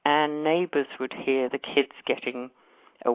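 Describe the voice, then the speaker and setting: A woman from London with a faded London accent, an author talking as a guest in a phone interview, chatty and quick to correct herself. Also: extremely low pitch, steady tone, clean tone, no room sound. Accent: London English, faded. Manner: chatty, self-correcting, laughs easily. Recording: dry tinny phone line.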